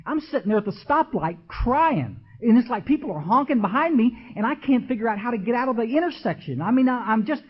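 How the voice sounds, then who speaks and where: A man's voice: extremely high pitch, lively intonation, fast, few pauses, slightly rough. A man, giving an emotional recovery talk from a podium and speaking straight to the crowd in a folksy way. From Texas. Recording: dull lo-fi archival tape.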